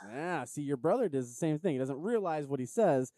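Teasing podcast co-host with a lively voice. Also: male voice, on the high side, fairly quick, no echo, clean studio sound. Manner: teasing, laughs often. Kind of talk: casual podcast banter.

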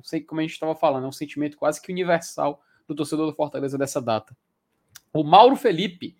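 Excitable man. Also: on the high side. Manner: excitable, slangy, full of fillers. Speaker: live show host. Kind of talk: casual live-stream chat reading viewer comments.

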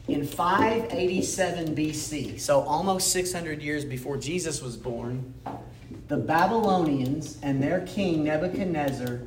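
A man with a fairly high voice leads a Bible history lesson, talking it through casually and stopping to ask "okay?" along the way. He sounds like he is in an echoey church room, with faint noise in the background. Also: unhurried. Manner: conversational, explanatory, often checks in with "okay?". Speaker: Bible class teacher.

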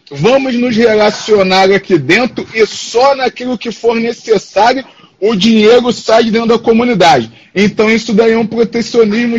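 A man with a Brazilian Portuguese accent, hosting a discussion and explaining his points in a measured way. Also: high voice, slightly rough. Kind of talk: conversational discussion. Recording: dull lo-fi audio.

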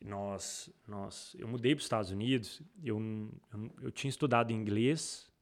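Here the Brazilian entrepreneur's voice is on the low side, at a moderate pace, with his Brazilian Portuguese accent. As a guest in an informal interview, he tells rambling, animated stories full of restarts.

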